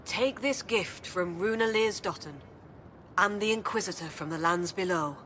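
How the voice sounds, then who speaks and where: A woman's voice: medium pitch, normal speed, a bit bright, lightly acted. A woman playing a hearty, devout tribal huntress in a video game, forthright and earnest like a storyteller. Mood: reverent. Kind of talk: video game dialogue acting. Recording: clear background noise of game ambience.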